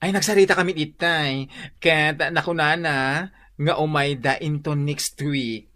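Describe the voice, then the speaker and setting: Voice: medium pitch, fairly even intonation, a little slow, fairly bright tone, close to an everyday voice. A performer playing a sassy, effusive gay cousin in an Ilocano radio drama, exclaiming and teasing.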